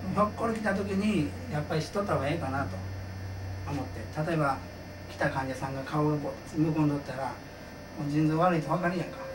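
A man with a fairly high pitch talks at a fairly quick pace, broken by long, frequent pauses. His pitch swings very widely, and noticeable background noise runs underneath. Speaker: qigong instructor. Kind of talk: lecture. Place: home room. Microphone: camera far.

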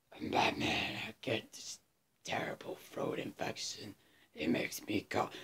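A man's put-on character voice, gravelly and raspy, at a medium pitch and moderate pace. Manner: coughing, strained.

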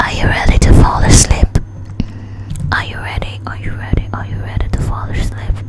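Whispering at a moderate pace, the speaker takes long, frequent pauses over noticeable background noise. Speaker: ASMR creator. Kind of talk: ASMR whisper with mouth sounds and trigger words.

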